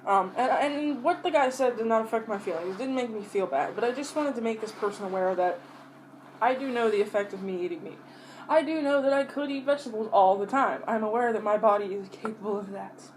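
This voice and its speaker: A mukbang vlogger with an average-pitched voice rambles casually to her viewers while eating, pausing to chew between bites. Her talk is blunt and full of swearing, and the low-quality recording carries faint background noise.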